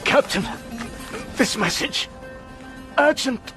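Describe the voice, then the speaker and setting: A wounded Arab messenger near death, gasping out warnings in halting fragments. His voice is very high and strained and swoops widely, and the words come slowly. Music plays under this radio drama. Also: lively intonation, exaggerated voice. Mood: urgent, faltering.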